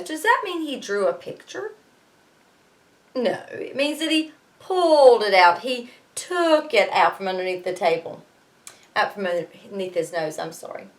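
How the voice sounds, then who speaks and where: A woman teacher reading a storybook aloud to students in an expressive way, pausing to explain things. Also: on the high side.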